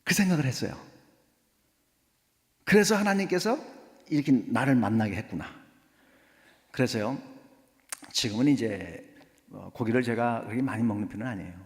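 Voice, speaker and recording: A male pastor preaching a sermon, telling a story with animated delivery and chuckles. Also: medium pitch, normal speed, long pauses. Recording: long church hall reverb.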